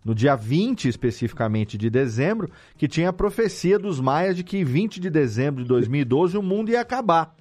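A Brazilian man talking casually as an interviewed audio editor, explaining things in an animated way with rhetorical questions. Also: on the high side, moderate pace, hardly any pauses. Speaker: audio drama editor and podcast guest.

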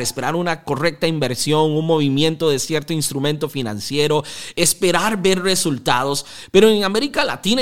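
An energetic young man with a Costa Rican accent hosts a casual podcast. His voice sits a touch high for a man, and he talks in a restless, upbeat way, laughing at his own jokes. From Costa Rica. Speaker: podcast host.

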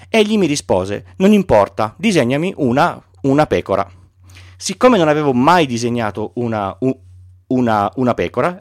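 A man's voice: mid-range voice, dry recording, studio quality. A male podcast host reading a storybook aloud, with frequent stumbles and restarts.

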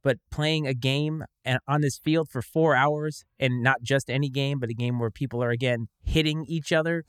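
A man's voice: medium pitch, fairly even intonation, moderate pace, fairly bright tone, smooth, no room sound. Man, 40s, sports talk co-host, wry and argumentative, dry close mic.

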